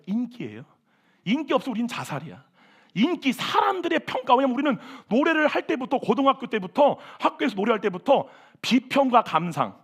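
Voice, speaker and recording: A male pastor preaches a sermon at a church service, animated and exclamatory, with self-mocking asides. His voice sits very high for a man and has a gravelly, raspy edge. His pitch rises and falls constantly as he speaks. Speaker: senior pastor.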